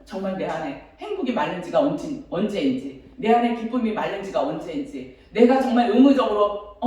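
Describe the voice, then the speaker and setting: 높고 생기 있게 오르내리는 목소리로 간증하는 오십대 사모님이에요. 감정이 북받친 듯 열정적으로 말하고 중간중간 자주 웃음을 터뜨려요. 마이크에서 떨어진 채 아주 울림이 큰 교회 예배당에서 녹음되었어요. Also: female voice, fairly high pitch, dark tone. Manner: fervent, emotional, often breaking into laughter. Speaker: pastor's wife giving testimony. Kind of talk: church testimony. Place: church sanctuary. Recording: very echoey church hall from far off.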